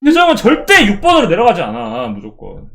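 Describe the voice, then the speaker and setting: A young man streaming a mobile baseball game, who swears a lot and shouts at his card upgrades. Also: high voice, huge pitch swings, a little fast, vocal fry. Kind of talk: live game streaming chat.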